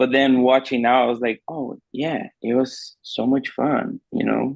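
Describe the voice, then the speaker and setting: A man with a Brazilian accent, medium pitch, fairly slow pace and fairly even intonation. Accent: noticeable foreign accent, Brazilian. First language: Portuguese. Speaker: actor. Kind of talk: post-show talkback. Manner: hesitant, with many fillers.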